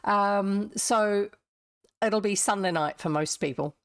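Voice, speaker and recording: A woman's voice: medium pitch, slow pace, clean tone, no echo, studio quality. A woman with a New Zealand accent chatting casually and in a rambling way to viewers as a livestream host. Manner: chatty, rambling, self-interrupting asides. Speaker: livestream host who reads old books aloud.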